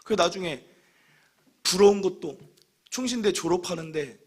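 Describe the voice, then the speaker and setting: A man in his thirties, a pastor preaching a sermon, telling stories with animated humor and acting out what other people say. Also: sits high, moderate pace, breathy edge. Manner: acts out other people's remarks.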